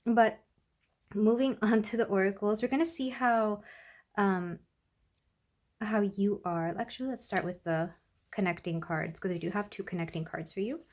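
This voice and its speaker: A woman's voice, a bit congested from a recent illness, drifts through a casual tarot reading. She talks softly at an ordinary mid pitch and rambles with fillers as she reads each card. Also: normal speed. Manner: soft, rambling, with many fillers. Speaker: tarot reader.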